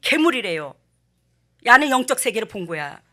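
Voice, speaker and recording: An older woman pastor, preaching a sermon and telling stories with animated acted-out quotes. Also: fairly high pitch, normal speed. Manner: animated storytelling, acting out quotes.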